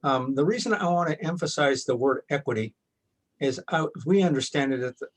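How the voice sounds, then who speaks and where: Husky man moderating a video call. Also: a little high, lively intonation. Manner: measured and formal, reads introductions with occasional restarts. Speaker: workshop moderator. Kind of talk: formal welcome and introductions on a video call.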